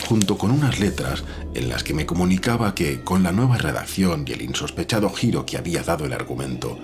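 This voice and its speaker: An actor playing a rational editor and reassuring friend in an audiobook horror drama, speaking in a measured, articulate, persuasive way. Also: male voice, deep voice. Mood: composed. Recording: clear music under the voice.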